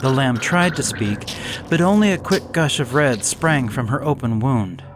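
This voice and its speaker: A man slowly reading a gothic horror story aloud in a measured, somber way. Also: mid-range voice, lively intonation. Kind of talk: scripted horror narration. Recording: hissy background noise.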